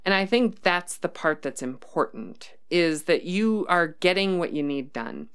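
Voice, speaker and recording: A woman's voice: lowish voice, lively intonation, measured pace, a bit bright, clear, resonant tone. A woman hosting a casual livestream, reading chat comments and thinking aloud with many ums and restarts. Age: adult, worked as a developer.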